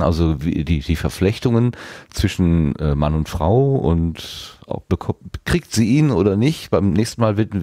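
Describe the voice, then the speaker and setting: A man hosting a casual podcast interview, phrasing his questions in a deliberate, roundabout way. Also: low voice, mellow, no room sound, clean studio sound. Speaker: podcast host.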